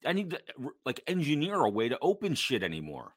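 A man's voice: on the high side, wildly swooping pitch, quick pace, no echo. A man co-hosting a podcast in casual chat, teasing and profane. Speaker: podcast co-host.

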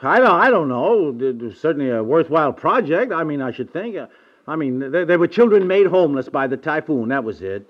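An American man playing a sheepish, henpecked husband in a 1950s radio comedy, stammering and halting through domestic dialogue. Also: a little high, big pitch swings. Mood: flustered, defensive. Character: sheepish, flustered, henpecked middle-class husband. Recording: dull vintage 1950s radio recording.

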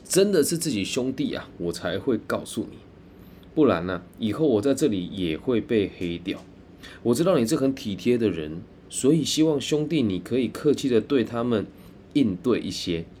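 A man's voice: fairly low pitch, darkish tone, a little hiss or hum, lightly acted. A man with a Taiwanese accent voicing a persuasive male friend who coaxes and insists. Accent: Taiwanese Mandarin. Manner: coaxing, insistent.

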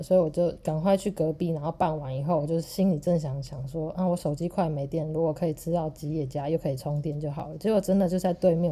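A woman with a Taiwanese Mandarin accent, chatting as a podcast co-host. She talks quickly and animatedly, with a very dark, mellow tone. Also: low-pitched. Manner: animated, laughs through her story. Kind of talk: casual storytelling chat.

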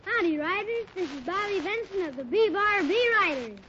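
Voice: very high-pitched, animated, moderate pace, background noise. A performer playing an eager, inquisitive young cowboy boy in a 1950s juvenile radio Western. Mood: cheerful. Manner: earnest, inquisitive. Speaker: child lead of radio Western. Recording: muffled 1950s radio broadcast, music.

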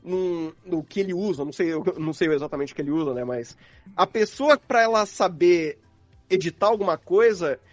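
A man's voice: high-pitched, fairly quick, no echo, faint music behind. A Brazilian man explaining things in casual, rambling, slangy conversation, like a guest on a podcast. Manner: informal, rambling, uses slang.

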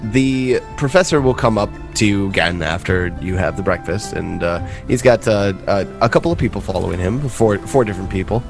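A man's voice: on the low side, fairly quick, gravelly, few pauses, over music. A man running a tabletop role-playing game as game master, with rambling narration full of fillers.

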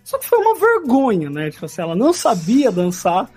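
A man telling a long story in a casual podcast chat, rambling and halting, full of filler phrases. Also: very high-pitched, wildly swooping pitch, darkish tone, breathy edge, soft background music.

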